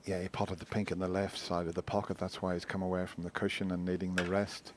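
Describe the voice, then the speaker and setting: A man giving hushed, conversational live snooker commentary. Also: low voice, level tone, quick pace. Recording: live venue noise and crowd behind voice.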